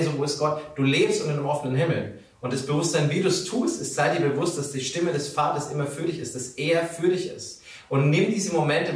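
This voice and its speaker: A man giving a conversational sermon, telling stories and speaking directly to his listeners. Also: fairly high pitch. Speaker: preacher. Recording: very echoey, from a distance.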